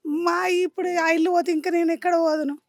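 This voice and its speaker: A widowed woman with a Telangana accent pleads in despair in a street interview. Her voice is very high, and the sound is close and dry. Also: flat delivery, brisk, no echo. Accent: Telangana Telugu. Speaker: widowed resident.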